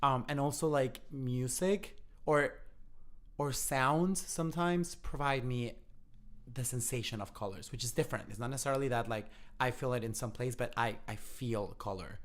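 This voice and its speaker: Young Ecuadorian man, animated guest. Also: medium pitch, normal speed. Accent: Ecuadorian Spanish. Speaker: guest, dancer and actor. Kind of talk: casual interview.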